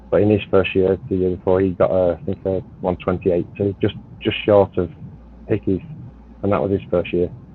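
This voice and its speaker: A man with a British accent speaks at a fairly quick pace, his pitch very deep and low. His intonation stays fairly even, broken by long, frequent pauses. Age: 40s. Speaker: race marshal. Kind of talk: interview.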